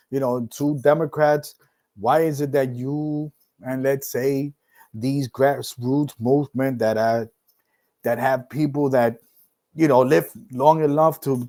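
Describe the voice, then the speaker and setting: Puerto Rican New York man hosting a podcast. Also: medium pitch. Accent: Puerto Rican and New York mix. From Puerto Rico. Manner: animated, hypes with whoops, repeats words while thinking. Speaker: podcast host. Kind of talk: casual solo podcast monologue.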